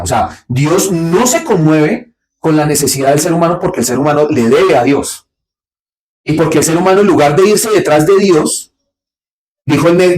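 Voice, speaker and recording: A man preaching a Bible study sermon. He asks rhetorical questions and answers them himself, dropping low for asides and rising sharply on his points. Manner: swings between low, quiet asides and sharp, raised points. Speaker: pastor.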